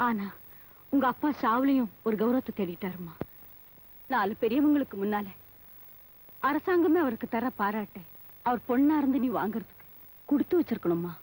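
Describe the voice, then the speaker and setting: An actress playing a gentle, weary, middle-aged widowed mother who is unwell, speaking softly in a 1980s Tamil film. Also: a little high, animated, normal speed, pauses often, poor audio. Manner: soft, consoling.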